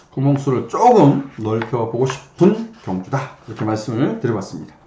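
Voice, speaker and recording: A man's medium-pitched voice moves at a moderate pace with very wide pitch swings. Audible room echo and noticeable background noise surround it. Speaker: horse racing tipster. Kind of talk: solo racing preview broadcast.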